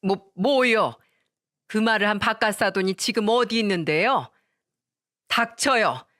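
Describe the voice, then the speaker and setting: A woman's voice: mid-range voice, a little slow, a bit bright, close to an everyday voice. Woman voicing a fierce protective older mother. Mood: stern. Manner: firm, scolding.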